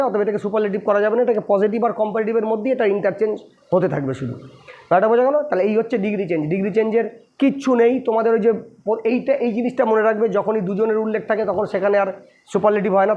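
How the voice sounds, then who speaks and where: A man's voice: high voice, fast. A man with a Bengali accent teaching English grammar, repeating points and asking his students rhetorical questions. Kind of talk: explaining lesson to students. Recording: dull lo-fi recording.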